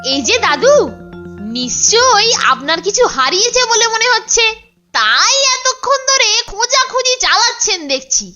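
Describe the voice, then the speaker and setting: A woman's voice: extremely high pitch, sing-song, moderate pace, bright, forceful tone, dull audio, soft background music, heavily acted. A woman voicing a cheeky, chatty young schoolboy sidekick in a cartoon. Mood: polite. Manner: chatty, teasing. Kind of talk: cartoon voice acting.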